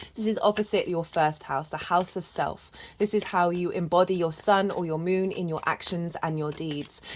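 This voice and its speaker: A woman talks at a fairly quick pace in a fairly low pitch, with ordinary pitch variation and a British accent. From Britain. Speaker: tarot reader and astrologer. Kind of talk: tarot and astrology reading monologue. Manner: hesitant, many filler words.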